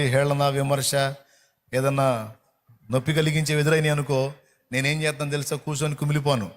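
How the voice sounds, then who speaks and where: A middle-aged man preaching a sermon in a fervent, repetitive cadence. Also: a little high. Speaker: pastor.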